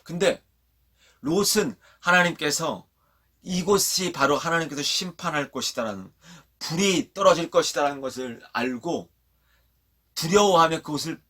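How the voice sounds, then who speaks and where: A man with a bright, forceful voice gives a sermon for children. He tells a Bible story with life, keeps stopping to ask the kids questions, and leads them in saying lines back to him. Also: fairly high pitch, moderate pace. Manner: asks the children questions, has them repeat after him; animated storyteller. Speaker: children's pastor.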